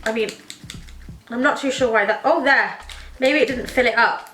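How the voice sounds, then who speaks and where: A young woman vlogging a makeup tutorial, her voice bright and a little high, with a slight hay-fever wheeze. She chats enthusiastically, scattering fillers. The room adds a noticeable echo around her. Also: normal speed. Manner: chatty, enthusiastic, many "like" fillers. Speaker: beauty vlogger. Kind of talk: casual makeup tutorial chat. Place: home makeup room, indoors.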